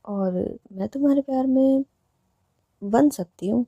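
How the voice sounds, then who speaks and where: A woman's voice: high voice, measured pace, mellow, husky, dry recording, dull audio, full character voice. A woman voicing a playful, teasing young woman in love who coaxes and plays with words. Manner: teasing, coaxing, wordplay.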